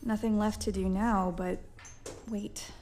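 A woman's voice: mid-range voice, level tone, slow, darkish tone, lightly acted. Woman playing a weary, dutiful ship captain. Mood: weary, earnest. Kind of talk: science fiction audio drama acting.

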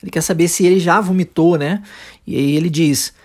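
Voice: medium pitch, fairly quick, breathy edge. A teacher with a Brazilian Portuguese accent hosting a podcast English lesson. The teacher explains step by step, checks in often with short tags and asks listeners to repeat phrases.

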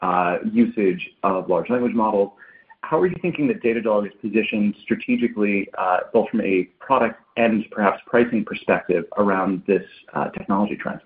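A man posing a formal, deliberately worded question as a financial analyst on an earnings call. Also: on the low side. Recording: tinny phone line.

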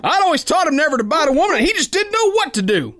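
A man's voice: extremely high pitch, big pitch swings, very fast, a bit bright, dry recording, full character voice. A man playing a tough, cocky, uneducated sailor boxer who tells his yarn in folksy slang for a radio drama. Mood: bemused. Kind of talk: pulp radio drama narration and dialogue.

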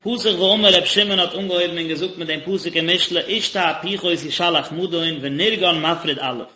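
Male rabbi, text-study lesson, explains in short bursts; very bright, piercing tone, lo-fi recording. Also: a little high, fast talker. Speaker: rabbi teaching a daily lesson. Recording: echoey, dull lo-fi recording.

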